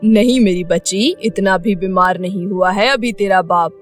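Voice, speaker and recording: A woman's voice: mid-range voice, normal speed, soft background music, lightly acted. A woman voicing a humble, kindly middle-aged father in a cartoon story, speaking earnestly. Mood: reassuring. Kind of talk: Hindi cartoon story dubbing.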